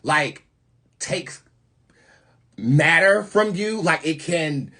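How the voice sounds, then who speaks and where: A man's voice: on the high side, expressive, drawn-out words, pushed and bright. A man from North Carolina, chatting casually as a livestream host in a sassy, profane, conspiratorial way. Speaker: host, tarot reader.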